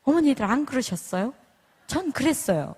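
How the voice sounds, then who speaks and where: A woman's voice: high voice, big pitch swings, moderate pace, darkish tone, breathy edge. A middle-aged woman giving a church testimony, telling stories with humor and acting out other mothers' voices. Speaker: testimony speaker. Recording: echoey church hall.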